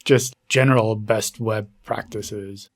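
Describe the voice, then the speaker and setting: A man's voice: lowish voice, steady tone, takes it slowly. A man on a podcast in casual banter, playful and often asking questions. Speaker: podcast guest or co-host.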